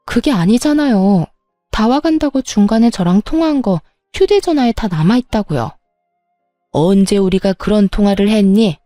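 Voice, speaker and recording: A woman's voice: mid-range voice, lively intonation, normal speed, mellow, no echo, soft background music, lightly acted. A woman voicing a scheming, spiteful older mother-in-law who mocks and puts on a show of innocence. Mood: feigned fear. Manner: mocking, then falsely wailing.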